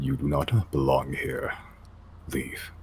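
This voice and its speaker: A man puts on a guttural character voice with very deep, low pitch. Clear background noise is audible. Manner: menacing, commanding.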